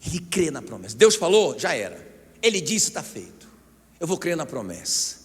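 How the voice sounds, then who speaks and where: A Brazilian man preaching a sermon as pastor, animated and often calling out to the congregation. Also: fairly high pitch, normal speed, slightly rough. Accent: Brazilian Portuguese. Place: church hall. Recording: long church hall reverb.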